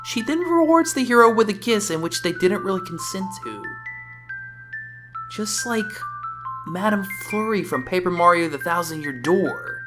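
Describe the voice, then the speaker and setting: A woman's voice: medium pitch, lively intonation, normal speed. A woman giving casual, sarcastic reaction commentary as a video game reviewer, often exclamatory. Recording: voice-over with faint game music.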